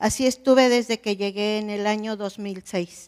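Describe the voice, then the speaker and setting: A woman with a Mexican accent, fairly high pitch, fairly even intonation and fairly slow pace, recorded very cleanly over a silent background with a dry, close sound and no echo. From Mexico. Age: 60s. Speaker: church member giving testimony. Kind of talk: testimony. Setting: church.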